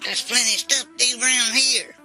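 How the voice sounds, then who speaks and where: Feisty old hillbilly mother-in-law, played by a woman: very sharp, forceful voice, Southern drawl, insulting, comedic audio drama. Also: on the high side, steady tone, fairly quick, soft background music. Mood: crabby. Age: older. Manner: crabby, folksy, combative.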